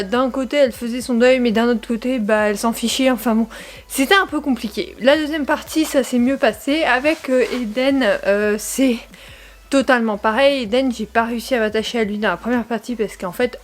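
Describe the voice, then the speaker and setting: A young French woman with a French accent rambles through a casual book vlog, full of fillers and restarts. Her voice sits a little high, and the sound is roomy.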